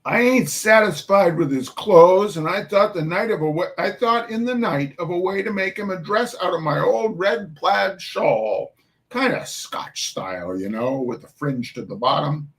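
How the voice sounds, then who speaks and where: A man's voice: high voice, expressive, a bit bright, pitched above the performer's own voice, full character voice. A man voicing a bustling, bossy mother of a big poor family, with an attempted urban Irish dialect. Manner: brisk, ordering people about. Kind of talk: storybook reading.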